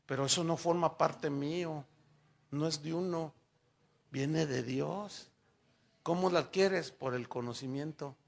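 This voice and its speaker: An older man with a Mexican accent preaching a sermon, telling personal stories and acting out the dialogue with lively shifts of voice. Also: fairly high pitch, measured pace, creaky. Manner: animated storytelling, acting out dialogue in raised voices. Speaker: pastor.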